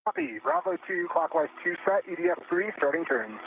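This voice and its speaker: A man, an astronaut, giving brisk, terse readbacks over a crackly space-to-ground radio link. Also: sits high, huge pitch swings, gravelly. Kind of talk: procedural radio calls. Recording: tinny noisy radio link.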